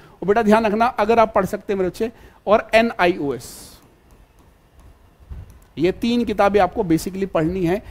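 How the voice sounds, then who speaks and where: High-voiced fatherly teacher. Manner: fatherly, keeps calling students "beta" and checking if they follow. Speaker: online exam-prep teacher. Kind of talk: live online class.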